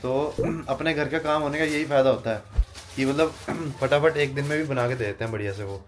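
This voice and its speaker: Relaxed man chatting in a vlog. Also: medium pitch, a little fast, noisy background. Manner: relaxed, chatty, addresses viewers as guys. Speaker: vlogger. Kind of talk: casual vlog chat to camera.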